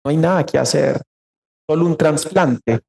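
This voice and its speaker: A Costa Rican pastor, a man, preaching a sermon with a slightly high, gravelly voice. He tells the story earnestly. His voice rises sharply when he quotes other people. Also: measured pace, a little mellow. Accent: Costa Rican Spanish.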